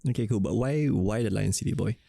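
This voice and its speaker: A man hosting an interview, asking questions and reading scripted voice-over in a brisk, measured way. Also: fairly low pitch, vocal fry, mellow, no room sound, studio quality. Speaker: interviewer and narrator.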